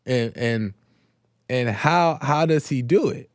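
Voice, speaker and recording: Male host of a faith call-in show, mid pitch, slow unhurried delivery, voice going hoarse, dry close sound. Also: expressive, no echo. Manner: slow, reflective, with many fillers and repeated phrases. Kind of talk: casual devotional talk.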